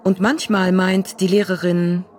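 A woman giving a measured, deliberate reading of a poetic literary text. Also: on the low side, level tone, a little mellow, a little hiss or hum. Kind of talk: slow poetic reading over music. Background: faint music.

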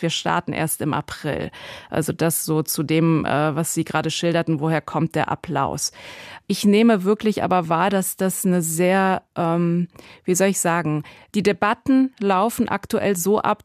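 A woman from Iran defending a broadcasting decision in a panel debate, speaking in measured, hedging sentences with many fillers. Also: fairly low pitch, a little mellow, no room sound, studio quality. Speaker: broadcasting executive.

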